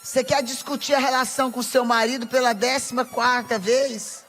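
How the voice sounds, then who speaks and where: A woman with a Brazilian Portuguese accent preaching a lively sermon to a women's audience, playful and teasing, speaking straight to the crowd. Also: on the high side, moderate pace.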